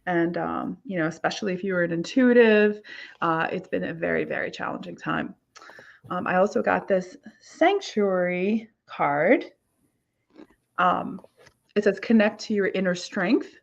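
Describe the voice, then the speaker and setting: Brief: woman from Ukraine, tarot host, gravelly voice, muffled lo-fi sound. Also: fairly low pitch, unhurried. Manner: chatty, many fillers. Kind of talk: live online tarot reading. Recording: dull lo-fi sound.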